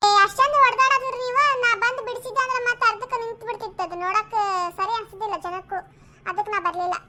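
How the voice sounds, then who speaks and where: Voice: very high voice, fairly even intonation, quick pace, bright, forceful tone, full character voice. A performer voicing a nosy village woman in a cartoon comedy who enjoys watching quarrels. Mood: excusing. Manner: gleeful gossip.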